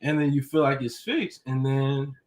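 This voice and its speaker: A man co-hosting a live relationship advice show, talking in halting, laid-back casual chat full of fillers and greeting viewers. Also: mid-range voice, darkish tone, faint music behind, low-quality recording.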